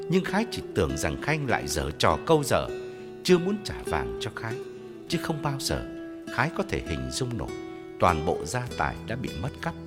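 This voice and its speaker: A man reading a story aloud in a dramatic style, expressive and shifting to loud angry character voices. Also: fairly low pitch. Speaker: audiobook narrator. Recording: long hall reverb with faint music.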